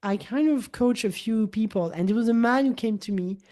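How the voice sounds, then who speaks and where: A woman in her forties who grew up speaking French talks fairly quickly in a fairly high voice as a wellness coach host. The conversation is casual, and she stays animated, repeating words, restarting and often acting out quoted lines.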